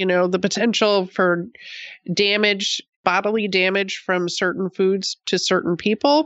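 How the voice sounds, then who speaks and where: A woman with an American accent and a normal speaking voice, medium in pitch, at a fairly slow pace, with fairly even intonation and very even loudness. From US Northeast, Buffalo, New York. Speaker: nurse and celiac consultant. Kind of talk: interview.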